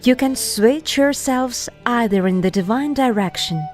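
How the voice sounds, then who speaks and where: Slow, higher-pitched woman narrator over music. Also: lively intonation. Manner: measured, deliberate, phrase-by-phrase reading with pauses. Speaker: narrator reading an article. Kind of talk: scripted narration, spiritual video voice-over.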